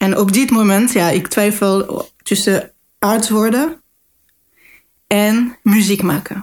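A somewhat breathy, very slow delivery in a French accent with fairly even intonation. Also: woman. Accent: French accent in Dutch. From southern France, Perpignan. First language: French (speaking Dutch). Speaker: classical pianist. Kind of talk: interview. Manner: halting, many fillers.

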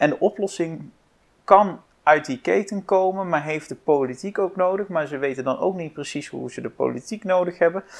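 Against a quiet background, a man with a slight Brabant accent speaks at a high pitch and moderate pace, with ordinary pitch variation and big swings in loudness. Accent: slight Brabant soft G. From Brabant, southern Netherlands. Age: 20s. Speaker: political candidate and policy adviser. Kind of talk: interview.

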